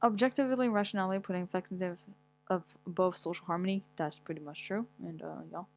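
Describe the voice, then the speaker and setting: A woman's voice: fairly low pitch, fairly even intonation, quick pace, darkish tone, soft background music. Rambling, foul-mouthed young woman. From Morocco. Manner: rambling and blunt, heavy swearing, reacting to what she reads. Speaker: vlogger. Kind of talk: casual chat, reading aloud.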